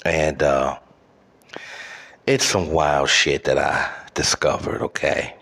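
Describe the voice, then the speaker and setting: Casting note: very low-voiced male podcast host, slow profane comic rant, exasperated. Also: steady tone, a bit bright, slightly rough. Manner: profane, exasperated ranting with stammered repeats. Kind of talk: comedic rant.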